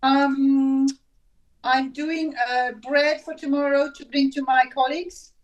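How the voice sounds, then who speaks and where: A woman from Switzerland with German as her first language speaks English in a high voice. She chats casually, hesitating and restarting as she looks for words. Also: flat delivery, takes it slowly, lo-fi sound. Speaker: teacher. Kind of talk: casual call-in chat.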